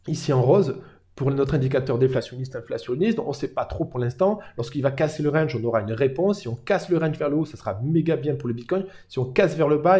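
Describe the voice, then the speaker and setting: Young male host, fairly high voice with a mellow tone, quick and excitable, chatty chart breakdown. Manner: fast, excitable, chatty, with English trading slang. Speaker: crypto market analyst, channel host. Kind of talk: casual chart analysis to viewers.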